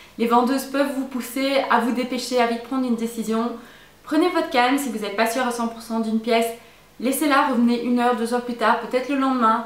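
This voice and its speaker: A woman's high-pitched, monotone, flat delivery at a very fast pace, over noticeable background noise. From Belgium. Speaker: fashion YouTuber. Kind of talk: casual talk to camera.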